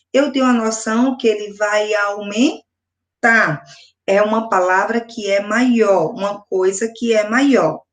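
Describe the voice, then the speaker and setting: A Brazilian woman teacher giving a recorded lesson to young children, patiently breaking words into syllables. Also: fairly high pitch. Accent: Brazilian Portuguese. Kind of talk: recorded classroom video lesson.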